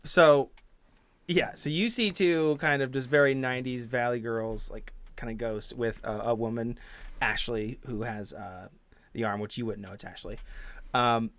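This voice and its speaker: A man's voice: medium pitch, steady tone, normal speed, fairly bright tone, dry recording. A man narrating a tabletop game as game master, improvising in a casual, hesitant way.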